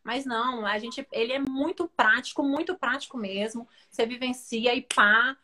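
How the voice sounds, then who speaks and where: A woman's voice: fairly high pitch, moderate pace, pushed and bright. A woman co-hosting, reading out viewer comments and enthusiastically praising the course, sometimes searching for words.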